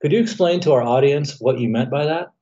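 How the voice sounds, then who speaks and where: Measured male podcast host, mellow tone. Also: mid-range voice, dull audio. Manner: measured, formal. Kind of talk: scripted show introduction.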